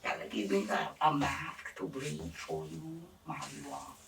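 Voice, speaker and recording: A woman playing an eccentric female doctor in an ASMR roleplay, halting and formal, breathy and often near a whisper. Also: low voice, big pitch swings, recorded from a distance, very noisy, exaggerated voice. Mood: cautious, quirky. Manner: halting, hesitant, formal clinical phrasing with odd asides. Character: eccentric female doctor examining a patient for monster afflictions. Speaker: ASMR performer. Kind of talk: ASMR roleplay, intimate questioning.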